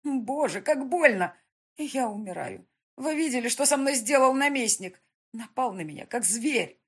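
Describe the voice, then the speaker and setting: A woman's voice: a little high, expressive, a little slow, slightly rough, voice pushed up. A woman voicing a smug, insolent male moneylender in an audiobook, who turns whimpering. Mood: whining.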